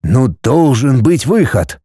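A confused but determined young man speaks in a plain, restrained voice, as the narrator voices him. The tone is mellow and dark, and the sound is close and dry. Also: mid-range voice, sing-song, takes it slowly, husky, no echo, heavily acted.

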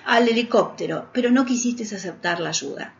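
God, calm and gently scolding, as a woman puts him on. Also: on the high side, normal speed, natural voice. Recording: roomy, dull AM radio broadcast.

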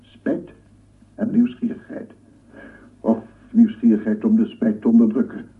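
A man's voice: on the low side, flat delivery, measured pace, close to an everyday voice. An actor playing an obsessive lone scientist in a radio play, cooing and murmuring repetitively as he does with his dog. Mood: brooding. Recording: echoey, distant, phone-like old radio recording.

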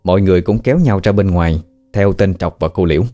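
A man with a Southern Vietnamese accent narrating a ghost story in a steady, measured way. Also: low voice. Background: faint background music.

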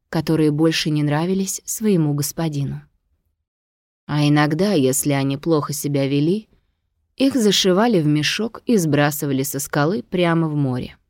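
A woman narrating a novel aloud in a calm, even reading voice. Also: low-pitched, no room sound, clean studio sound. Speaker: audiobook narrator.

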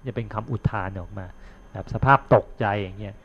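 A man who is a Buddhist monk, retelling an old tale in a loose, chatty dharma talk and pausing to explain words to his listeners. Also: on the low side. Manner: chatty, repeats words while thinking aloud; explains like a teacher, checks in with listeners. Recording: dull lo-fi recording.

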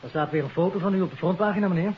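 A man's voice: sits high, racing, natural voice. An actor playing a chatty, deferential male household servant in a 1950s radio drama. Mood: chatty, eager. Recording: muffled 1950s radio recording with hiss.

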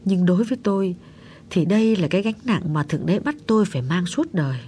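A man voicing an older woman psychic who speaks gently but insistently, in an audiobook story. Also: high voice, animated, quick pace, a little hiss or hum, pitched above the performer's own voice. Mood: weary. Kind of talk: audiobook character voice.

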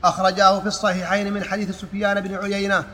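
Reader for a lesson: a high-voiced man, flat and bright, steady recitation in a reverberant hall. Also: racing. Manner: steady recitation with occasional restarts. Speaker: student reading a text aloud. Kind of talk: reciting a religious text in a lesson. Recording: long hall reverb with faint noise.

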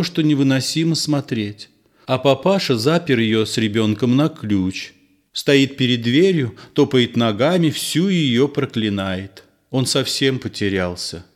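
A man's voice: medium pitch, voice pushed up, close to an everyday voice. A man voicing an eager young woman. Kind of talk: audiobook play reading.

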